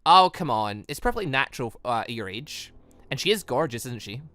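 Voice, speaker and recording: Smug older woman acted by a gaming host, teasing and menacing, bright tone, anime visual novel. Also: mid-range voice, very animated, fairly quick, dry recording, voice pushed down. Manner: smug, playful needling.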